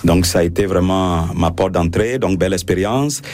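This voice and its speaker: A French-speaking priest with a very deep voice talks slowly and haltingly, restarting his sentences often. His is a radio interview answer, thoughtful and unhurried. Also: a little mellow. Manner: hesitant, many fillers and restarts.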